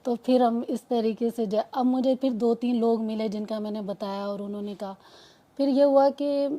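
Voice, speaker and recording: A mother of two gives an earnest personal testimony, her voice on the high side, steady, and warm. Her storytelling rambles, restarts often, and includes quoted dialogue.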